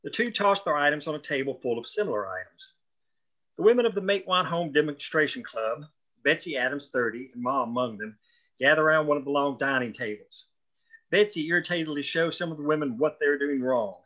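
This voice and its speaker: A man's voice: a little high, lively intonation, brisk, pushed and bright, highs cut off. A man reading screenplay stage directions as scripted narration at a table read.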